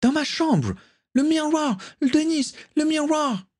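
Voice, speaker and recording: A man reading an audiobook voices a young woman captive, shouting desperately in a high strained voice. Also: lively intonation, slow, exaggerated voice.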